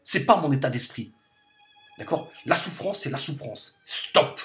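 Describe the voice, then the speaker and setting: Animated, emphatic man ranting. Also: fairly high pitch, measured pace, soft background music. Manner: emphatic, hammers points by repeating phrases. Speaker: video commentator. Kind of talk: impassioned political monologue.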